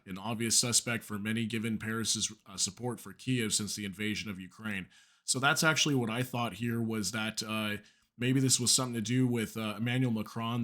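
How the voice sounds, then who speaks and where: A man's voice: mid-range voice, fairly bright tone. A man hosting an online news commentary, chatty and full of fillers, who is losing his voice from being under the weather. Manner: chatty, many fillers and asides. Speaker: news channel host. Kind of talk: casual news commentary, reading articles aloud.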